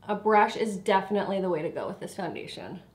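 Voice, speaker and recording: A woman's voice: medium pitch, animated, quick pace. A young woman reviewing a foundation in a casual vlog, congested and a little nasal, chatty with lots of fillers. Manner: chatty, filler-heavy, trailing into quiet asides. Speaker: beauty vlogger. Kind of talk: casual product review and makeup demo.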